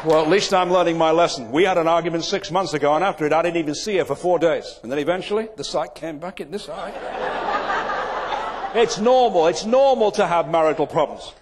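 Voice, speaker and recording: An older man from England, giving an after-dinner comedy talk on a banquet stage with a deadpan, well-timed delivery on a lapel mic. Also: fairly high pitch, fairly quick, crowd noise, noisy background. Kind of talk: stand-up comedy presentation. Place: large banquet hall stage.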